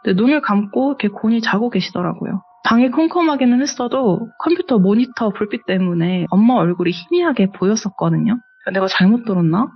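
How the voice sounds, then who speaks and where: Husky woman telling a ghost story. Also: mid-range voice, animated, a little fast, few pauses, dull audio. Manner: conversational, matter-of-fact retelling. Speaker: guest storyteller. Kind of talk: telling a true ghost story on a horror radio show.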